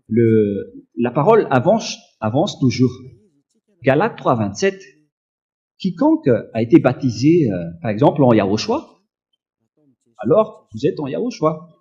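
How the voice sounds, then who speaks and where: A man preaching a sermon, slow and emphatic with frequent hesitations and a slight cough. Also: mid-range voice, very animated, dark tone, muffled recording. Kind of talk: sermon teaching.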